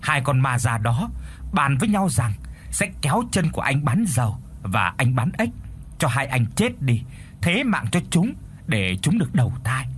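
A man voicing a shrill, frightened wild duck begging for its life in a told story. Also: sing-song, moderate pace, fairly bright tone, slight background noise. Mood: eager. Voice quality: shrill, thin voice. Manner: pleading, whiny.

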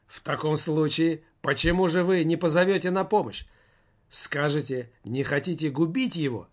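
A man's voice: on the high side, normal speed, close to an everyday voice. A man voicing a frightened, whining male festival director who moans and pities himself. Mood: dismissive. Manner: whining, moaning, self-pitying.

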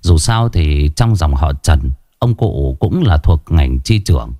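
A man narrating a horror story in a dramatic, expressive storytelling style. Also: very deep voice, takes it slowly, dry recording, clean studio sound.

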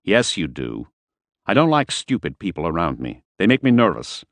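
A man's voice: low voice, sing-song, moderate pace, no room sound, clean studio sound. A man reading aloud and voicing a menacing, sarcastic male crime boss, with curt and bullying speech.

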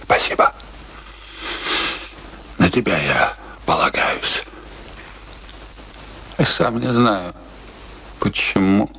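Slow-spoken, gruff old soldier. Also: male voice, on the low side, expressive, pushed and bright, a little hiss or hum, full character voice, rough recording. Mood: weary, fearful. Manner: gruff, scornful, theatrical outbursts. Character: ailing, stubborn, embittered old soldier afraid of death. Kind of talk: radio play acting.

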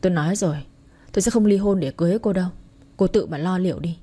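A woman's voice: lowish voice, fast, warm tone, breathy edge. Woman voicing a curt, greedy husband. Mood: angry. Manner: curt and harsh, turning servile to his boss. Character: cold greedy young husband.

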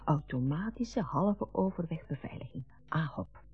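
Grown daughter, radio drama: very husky, breathy, wistful and reproachful, on a dull recording. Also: female voice, low-pitched, expressive, unhurried, faint music behind, heavily acted. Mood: nostalgic. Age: adult. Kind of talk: naturalistic radio drama acting.

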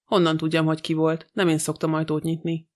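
Man doing an old female housekeeper, scornful, gossipy, audiobook reading, monotone. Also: a little high, natural voice. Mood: grumbling. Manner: grumbling, scornful.

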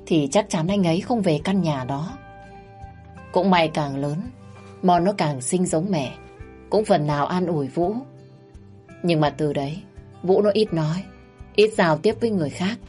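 A woman with a lowish voice tells a family story in a gentle, sympathetic tone. Faint music plays underneath her narration.

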